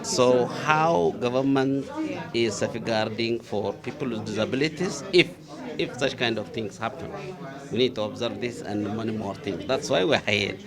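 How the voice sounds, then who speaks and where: A man's voice: medium pitch, normal speed. A man from Ethiopia with an Ethiopian accent, a disability federation director giving an earnest interview answer. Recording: crowd chatter behind.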